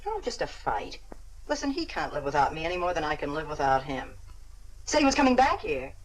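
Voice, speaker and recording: A woman's voice: deep voice, very animated, brisk, poor audio. An actress playing a brash, slangy young woman hopelessly in love, in 1940s film acting. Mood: chatty. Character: brassy young woman, lovesick, quarrelsome.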